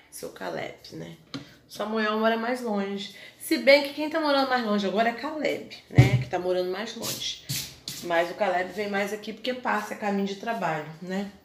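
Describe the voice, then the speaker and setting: A woman in her thirties from Brazil, vlogging casually at home on her phone and chatting warmly to her viewers. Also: mid-range voice, noisy background. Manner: chatty, gushing, addresses viewers as "gente". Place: house porch and kitchen at dusk. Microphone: handheld phone at arm's length.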